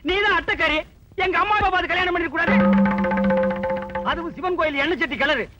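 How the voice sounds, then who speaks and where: A man's voice: very high-pitched, quick pace, lo-fi sound, over loud music. An actor playing a vain, boastful village man posing as a head constable, who talks pompously and drops broken English into his lines. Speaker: comic actor in a film scene. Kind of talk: film comedy dialogue.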